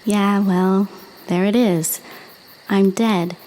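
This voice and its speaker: A woman's voice: mid-range voice, steady tone, extremely slow, warm tone, rough recording. A woman playing a dead teenage girl who narrates an audio drama in a wry, confiding, conversational way. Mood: wistful, resigned. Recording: music under the voice.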